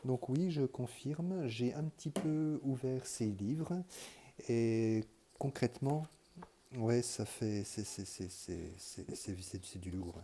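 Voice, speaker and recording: A man talking casually and off the cuff in a vlog, presenting his books. He rambles and hesitates, repeats words and restarts, with an earnest, softly enthusiastic tone. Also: mid-range voice, slow pace, slight background noise. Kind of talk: casual, improvised monologue.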